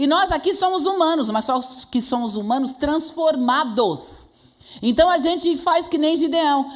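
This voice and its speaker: A woman with a northeastern Brazilian accent talks at a moderate pace with lively intonation amid audible room echo. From Northeast Brazil. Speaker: preacher. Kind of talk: sermon.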